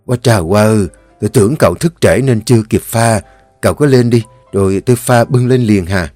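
A man voicing an older female household servant in a story, with a soft, slow manner. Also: on the low side, dry recording, soft background music, natural voice. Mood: flustered.

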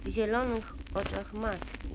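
A woman's voice: medium pitch, steady tone, unhurried, very noisy, lightly acted. A woman voicing a small, eager, polite male puppet with a coaxing manner in a children's audio play. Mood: polite, pleading. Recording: old vinyl children's record.

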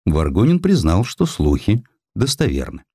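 Male narrator, low pitch, highly animated intonation, theatrical literary storytelling, dry close sound. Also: moderate pace, husky, no echo. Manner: theatrical, acts out dialogue. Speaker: audiobook narrator. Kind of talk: expressive literary narration of a historical sketch.

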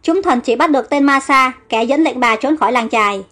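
A woman's voice: high voice, brisk, bright, forceful tone, faint music behind. A woman voicing a male soldier who reports respectfully to his king. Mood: deferential. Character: deferential male Egyptian soldier.

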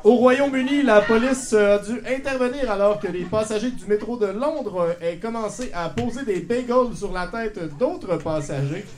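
A man's voice: sits high, moderate pace, hardly any pauses, a little mellow. A man reading odd news items aloud in a dry delivery with small slips. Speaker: news columnist.

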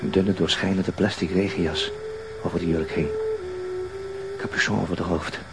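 An actor playing a brooding detective in terse inner monologue, in a Dutch radio drama. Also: male voice, low voice, steady tone, moderate pace. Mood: brooding, intent. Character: brooding male detective fixated on a murdered woman. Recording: very noisy radio drama recording.

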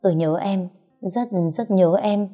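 A woman voicing a tender young man, a lover come home, speaking softly and lovingly in a storybook reading. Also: medium pitch, unhurried, lightly acted. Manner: soft, loving and gentle. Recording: slightly muffled, soft background music.

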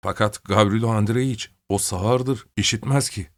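A man's voice: lowish voice, unhurried, no room sound, lightly acted. A man voicing a cheeky young male servant in an audiobook, brash and teasing. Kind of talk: audiobook character voice.

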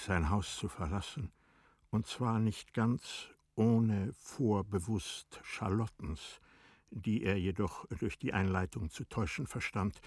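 A man reading scripted literary narration in a measured, sober way. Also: deep voice, breathy edge, no room sound, studio quality.

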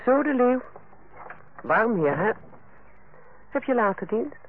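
An actress playing a stern, lonely older head nurse in a Dutch radio play, formal and reserved in manner. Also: female voice, a little high, very animated, takes it slowly, heavily acted. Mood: brisk, friendly. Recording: tinny, band-limited old radio recording, faint noise.

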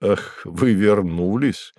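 A man's voice: darkish tone, dry recording, clean studio sound. A man playing a curt, cold devil lord. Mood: dry mocking. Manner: slow, low and terse.

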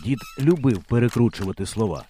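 A man reading an audiobook in an expressive storyteller's way. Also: mid-range voice, fairly quick, slight background noise. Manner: lively storyteller's delivery. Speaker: audiobook narrator.

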